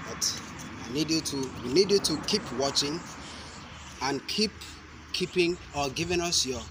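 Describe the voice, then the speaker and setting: A young man demonstrating self-defense moves, explaining each step slowly and deliberately, with sharp shouted cries on the strikes. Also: fairly high pitch. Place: outdoor concrete court. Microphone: camera mic at a distance. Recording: outdoor noise from a camera mic.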